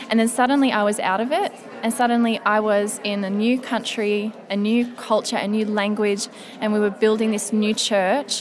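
Monotone, flat intonation with an Australian accent, amid noticeable background noise. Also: woman, fairly high pitch for a woman, moderate pace. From Sydney, Australia. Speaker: pastor. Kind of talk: casual interview. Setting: conference venue.

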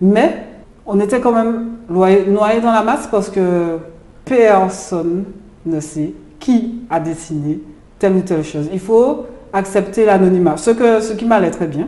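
A woman's medium-pitched voice at a very slow pace, with ordinary pitch variation, long, frequent pauses and audible room echo. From Martinique. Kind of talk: interview conversation.

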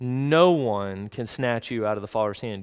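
With an American accent, a man talks at a fairly slow pace, his intonation lively and his tone animated. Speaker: guest preacher and school coach. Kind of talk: sermon. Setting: church. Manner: loud.

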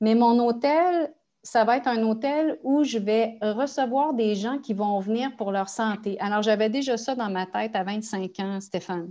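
A woman speaks at a fairly slow pace with hardly any pauses and ordinary pitch variation against a quiet background. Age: 50s. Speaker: nonprofit executive director. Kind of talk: interview. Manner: hesitant, with frequent repetitions.

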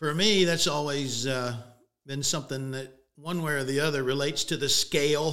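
Man with a Southern US accent, fairly high pitch, bright and sharp yet relaxed tone, fairly even intonation and a moderate pace. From South Carolina. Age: 50s. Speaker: podcast host. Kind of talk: casual monologue. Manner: relaxed, folksy.

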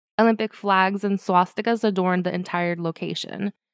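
A woman is speaking. The recording is very clean with a silent background. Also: dry, close sound with no echo. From US, Mexican-American family. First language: Spanish. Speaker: podcast co-host. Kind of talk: scripted narration; casual chat.

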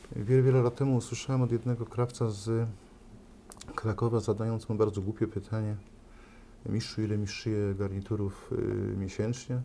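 A man with a dark, mellow, medium-pitched voice talks at a fairly quick pace in a monotone, flat way. Long, frequent pauses break up his speech. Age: 50s. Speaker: tailor. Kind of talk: interview.

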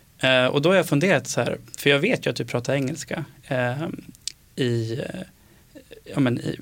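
Though his pace is fairly quick, a man with a Swedish accent makes long, frequent pauses, speaking at a fairly high pitch with ordinary pitch variation. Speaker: podcast host, psychologist. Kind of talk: casual interview.

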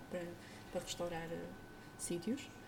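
A woman's fairly low voice with audible room echo and noticeable background noise. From Portugal, Chaves (Trás-os-Montes). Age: 20s. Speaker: cultural events producer. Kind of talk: casual chat. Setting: rooftop venue.

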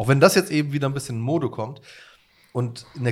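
A somewhat breathy man's voice. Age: 20s. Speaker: YouTuber, interviewer. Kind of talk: casual chat.

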